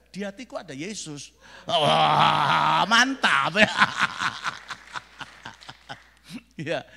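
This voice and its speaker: A man from Indonesia preaching a sermon as pastor, animated and joking, with shouted amens. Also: medium pitch. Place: church sanctuary. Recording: reverberant church hall.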